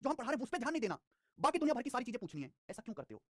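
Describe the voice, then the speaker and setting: Male math teacher, rapid-fire delivery, repeats digits, very animated pitch, dry close sound. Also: no room sound. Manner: fast, lively, repeats digits and phrases; scolds students with life advice. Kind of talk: live online math class.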